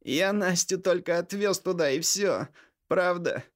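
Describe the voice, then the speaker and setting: A man's voice: high-pitched, normal speed, voice pushed up, natural voice. A man voicing a cowardly, terrified younger brother in his late twenties who whines and pleads in a trembling voice. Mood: pleading, terrified. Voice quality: whiny, trembling. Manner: pleading and whimpering. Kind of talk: audiobook character voice.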